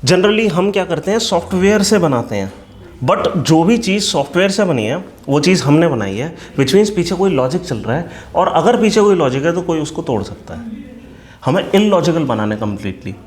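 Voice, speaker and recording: A man's voice: a little high, very animated, normal speed, a little mellow. A male teacher from India explaining a topic to students in an online class, often asking them questions as he goes.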